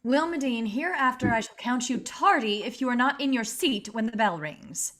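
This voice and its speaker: A woman reading the part of a stern, impatient high school teacher, formal and authoritative, in a script table read. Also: normal speed, a bit bright. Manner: formal, clipped classroom authority.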